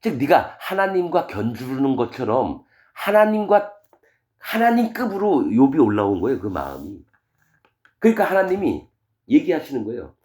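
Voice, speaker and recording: Male pastor, middle pitch, very lively expository sermon style with casual paraphrase. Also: moderate pace. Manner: paraphrases verses in casual talking voice, asks rhetorical questions; animated, wide swings in pitch and loudness. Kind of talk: expository sermon reading scripture.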